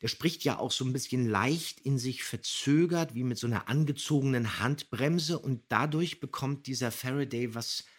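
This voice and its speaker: A man's voice: mid-range voice, normal speed, hardly any pauses, slightly rough. A man hosting a podcast, giving conversational commentary on audio dramas. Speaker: podcast host.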